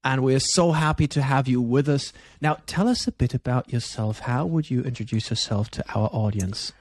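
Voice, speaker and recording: A man's voice: medium pitch, normal speed, a little mellow, dry recording. A middle-aged man co-hosting a morning show, chatting casually and upbeat while recommending events. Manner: upbeat, promotional. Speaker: co-host and moderator.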